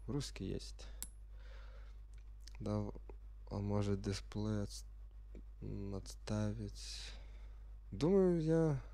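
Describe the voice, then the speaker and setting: A sick man speaking as a non-native speaker, giving halting, unsure commentary as he plays a game for the first time and reads the menus aloud. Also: fairly low pitch, warm tone, a little hiss or hum. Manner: reads game menu text aloud while puzzling over it. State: sick with a virus. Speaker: gamer playing on camera.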